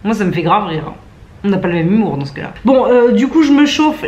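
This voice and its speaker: A woman's voice: medium pitch, big pitch swings, fairly quick, darkish tone, lo-fi sound. A young woman in her twenties chatting casually and playfully to camera at home, teasing and mocking herself as she talks. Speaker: vlogger. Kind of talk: casual vlog chat to camera. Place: at home indoors.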